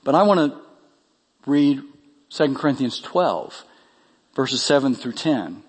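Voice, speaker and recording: A man's voice: medium pitch, big pitch swings, slow pace, slightly rough, in a large hall. A pastor preaching a sermon with earnest delivery, his voice climbing when he reads scripture.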